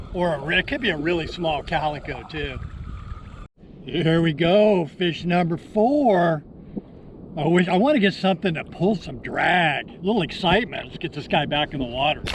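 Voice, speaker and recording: At a moderate pace, a man with a high pitch and ordinary pitch variation speaks over noticeable background noise. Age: 60s. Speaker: fishing vlogger. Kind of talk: casual vlog narration. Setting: outdoors on a kayak at sea.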